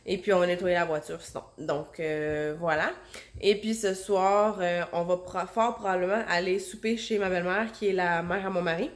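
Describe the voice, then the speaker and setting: A woman in her thirties with a Québécois French accent talks through her day in a relaxed vlog. Her voice sits a little low, and she keeps pausing with fillers and restarting her sentences. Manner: hesitant, many fillers and restarts. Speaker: vlogger, stay-at-home mom and entrepreneur. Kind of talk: casual vlog chat.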